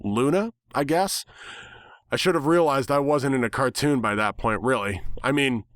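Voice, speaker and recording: Male narrator for dramatic fiction reading, medium pitch, dry recording. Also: normal speed, a bit bright, dry recording. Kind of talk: dramatic scripted story narration.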